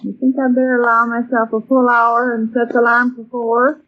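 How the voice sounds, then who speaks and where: A woman's voice: fairly high pitch, little pitch movement, normal speed, lightly acted. An American actress playing a bustling, mildly exasperated middle-aged housewife and mother in an old-time radio comedy serial, chatty and folksy. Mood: busy, chatty. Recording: muffled, noisy old radio recording.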